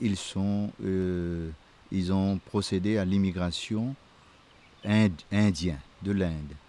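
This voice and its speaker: A man speaks at a very slow pace with long, frequent pauses. His very deep, low voice has a dark, mellow tone and fairly even intonation. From Mauritius. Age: 60s. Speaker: priest and historian. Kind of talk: life story interview. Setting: filmed interview. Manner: halting, with many hesitations.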